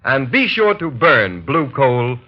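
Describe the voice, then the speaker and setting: A man's voice: medium pitch, sing-song, slow. A man working as a 1930s radio announcer, reading commercials in an upbeat, emphatic way. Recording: muffled old radio recording with music.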